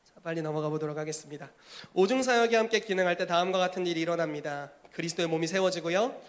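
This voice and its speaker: A male pastor preaching a sermon in an animated way, acting out scenes as he goes. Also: on the high side, fast.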